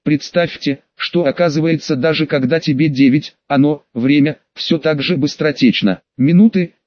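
A man with a slightly higher voice reads a first-person audiobook in measured, evenly paced phrases. The recording is close and dry, with a dull, somewhat lo-fi tone. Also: a little mellow, dry recording. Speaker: audiobook reader.

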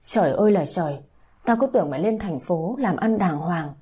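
A woman's voice: lowish voice, expressive, a little fast, dark tone, breathy edge. A woman voicing a heartbroken older mother, crying and scolding harshly. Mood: anguished anger. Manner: wailing, harsh.

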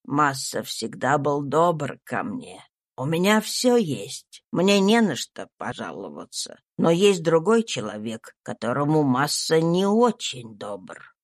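A woman reading aloud, voicing a humble, devout old male servant who speaks slowly and sorrowfully. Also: low-pitched, sing-song, dry recording, clean studio sound, voice pushed down, heavily acted. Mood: grave pleading. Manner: slow, pleading, sorrowful.

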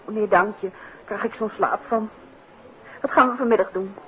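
An actress playing an inquisitive, gently needling detective's wife, probing and wryly teasing, in a 1950s Dutch radio drama. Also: female voice, medium pitch, fairly even intonation, moderate pace, close to an everyday voice. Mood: curious, teasing. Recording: muffled, noisy 1950s radio recording.

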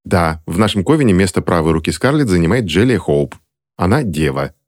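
A man's voice: low-pitched, sing-song, fairly quick. A man doing a bossy stubborn teen witch girl. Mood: bossy snappish. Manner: proud, snappish, insistent.

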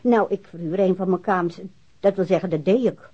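A woman's voice: on the low side, a little fast, slightly rough. A woman playing a chatty, vague landlady in a radio drama, hesitantly trying to remember and help. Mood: musing, helpful. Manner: hesitant, musing. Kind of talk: Dutch radio drama acting. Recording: dull, lo-fi radio drama recording.

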